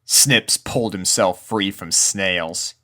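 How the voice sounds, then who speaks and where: Low-pitched man narrating a spooky story. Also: takes it slowly, bright, forceful tone. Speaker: narrator, fan fiction reader.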